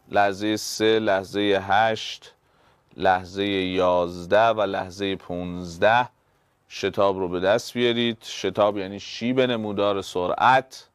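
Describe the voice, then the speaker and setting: A man's voice: on the low side, smooth, dry recording, studio quality. A man, a physics teacher, working through exam problems step by step and talking straight to his students. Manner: explains step by step, addresses students directly.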